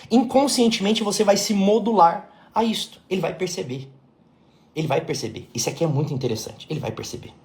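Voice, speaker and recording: A middle-aged Brazilian man, a couples therapist, giving a blunt, emphatic lesson to women, repeating his key points and checking that they follow. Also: sits high. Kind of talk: talking-head lesson.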